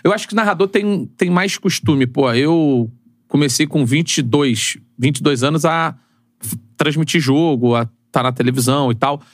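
A man's voice: a little high, no echo. A man in his thirties with a Brazilian Portuguese accent, a football commentator telling stories as a guest in a casual podcast chat. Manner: fast, animated storytelling with slang.

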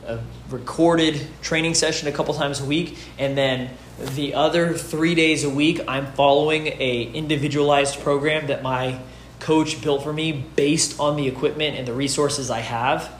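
A man's voice: a little high, fairly even intonation, normal speed. A man giving earnest, informal motivational advice to peers, emphatic and repeating his key phrases. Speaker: gym owner and fitness business host. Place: home gym outside, under a roof in a rainstorm. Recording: echoey room, rain noise on roof. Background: rain on the roof, storm.

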